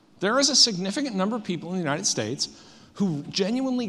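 This man has an American accent. His pitch ranges extremely widely. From Massachusetts, US. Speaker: author and keynote speaker; keynote speaker. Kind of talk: keynote speech. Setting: conference stage with audience. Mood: humorous, wry. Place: hall. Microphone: lapel.

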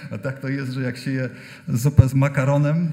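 Against a quiet background, a man speaks in a dark, mellow tone that is somewhat breathy. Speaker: visiting pastor. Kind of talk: sermon greeting to congregation. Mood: warm, light-hearted. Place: church. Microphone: podium.

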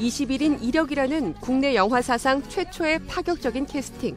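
A woman speaks with a high pitch at a moderate pace. Music plays in the background. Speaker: entertainment news anchor. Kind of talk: entertainment news narration.

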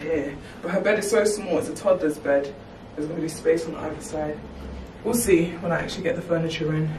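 Ordinary pitch variation marks a woman's speech, heard over noticeable background noise. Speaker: vlogger. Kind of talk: casual vlog chat. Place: empty room.

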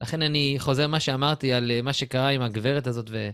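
A man with an unremarkable speaking voice, medium pitch and moderate pace on a very clean recording with a silent background. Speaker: podcast co-host. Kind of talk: casual chat.

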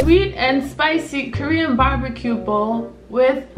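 Clear background music behind a woman speaking. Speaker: food vlogger. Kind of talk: casual vlog chat, food review. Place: home room. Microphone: camera far.

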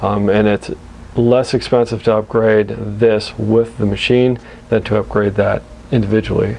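A man with fairly low pitch speaks in a flat monotone. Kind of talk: casual show-and-tell. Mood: relaxed, pleased. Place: workshop. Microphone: phone near.

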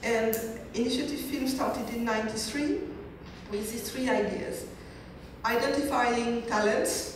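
A woman with a fairly high voice is heard in a room with strong echo and light background noise. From France. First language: French. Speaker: film development consultant. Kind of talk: lecture. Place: hall.

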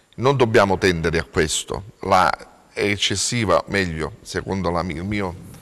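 With vocal fry, a man talks at a very deep, low pitch. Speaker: agricultural engineer, olive growers' association technical director. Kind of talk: TV interview. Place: studio. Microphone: lapel.

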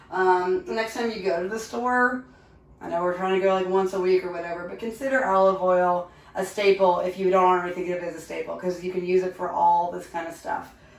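A woman at a fairly quick pace with fairly even intonation, in audible room echo. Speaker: home cook host. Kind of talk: casual cooking tutorial. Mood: relaxed, wry. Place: kitchen. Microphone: camera far.

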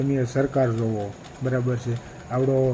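Noticeable background noise sits behind a man's voice. He talks at a medium pitch with monotone, flat intonation. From Gujarat, India (Rajkot district, Saurashtra). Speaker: community activist. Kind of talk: public appeal / protest call. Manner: impassioned.

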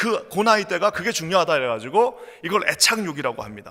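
A man with a high-pitched voice projects loudly, his intonation lively. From South Korea, island village. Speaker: pastor. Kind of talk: sermon.

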